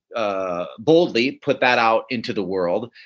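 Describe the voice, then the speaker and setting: Delivered at a moderate pace with lively intonation, the voice carries a Michigan accent over a quiet background. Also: man. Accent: Michigan American. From US Midwest (Detroit area). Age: 40s. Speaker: sketch comedy writer and teacher. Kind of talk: casual interview.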